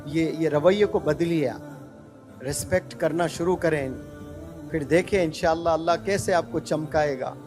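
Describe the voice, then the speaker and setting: Guy giving a fired-up emotional sermon, pretty high voice, soft music under it. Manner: impassioned, exhorting, rhetorical questions. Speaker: preacher.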